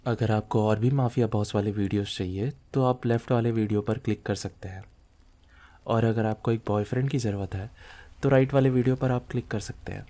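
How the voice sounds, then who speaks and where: A man speaking softly as the host of an ASMR roleplay channel, addressing viewers in a video outro. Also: on the low side, fairly even intonation, brisk. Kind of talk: soft-spoken video outro.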